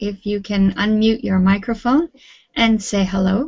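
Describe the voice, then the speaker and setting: A woman with a fairly high pitch and ordinary pitch variation speaks at a fairly slow pace, her voice somewhat breathy against a quiet background. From Canada. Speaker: online English teacher. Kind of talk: language class. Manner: slow, clear. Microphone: video call.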